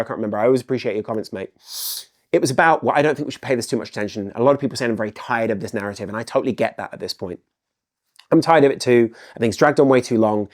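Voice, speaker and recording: A man's voice: mid-range voice, a little mellow. A middle-aged man from England, hosting a solo football commentary video, earnest and repetitive, leaning on "ultimately". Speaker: football channel host.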